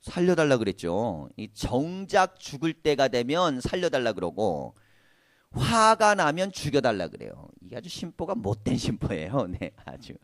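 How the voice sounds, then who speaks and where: A man's voice: medium pitch, wildly swooping pitch, moderate pace, fairly bright tone, no echo, studio quality. A male pastor preaching a sermon in a conversational way, asking his listeners many questions and laughing now and then. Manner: occasional laughter. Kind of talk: sermon at a prayer meeting.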